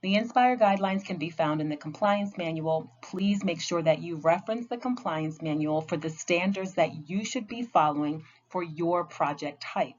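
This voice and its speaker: A woman giving a scripted training narration as a compliance trainer, speaking in a clear, measured, instructional way. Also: fairly low pitch. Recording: dull lo-fi audio.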